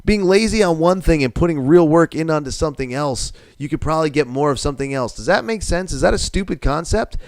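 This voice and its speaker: A man's voice: fairly high pitch, expressive, fast, few pauses, no echo, studio quality. A man in his thirties from New England, hosting a live stream in casual, rambling chat, swearing now and then and reading viewer comments aloud.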